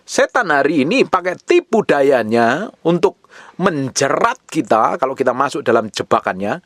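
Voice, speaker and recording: A man's voice: fairly high pitch, very animated, normal speed, fairly bright tone, no room sound, clean studio sound. A man preaching a sermon to a congregation, addressing them directly and repeating phrases for emphasis. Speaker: pastor.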